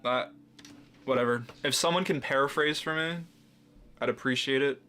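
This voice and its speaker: A man's voice: mid-range voice, moderate pace, pushed and bright. A young man hosting a reaction video, talking casually with incredulous, mocking asides and frequent laughs.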